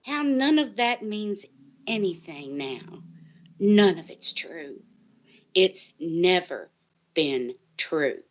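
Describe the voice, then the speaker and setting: An actress playing a distraught, paranoid college librarian in an audio drama, earnest and insistent, halting and pleading in her delivery. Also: lowish voice, sing-song. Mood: stricken, grave. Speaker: guest on a college radio show.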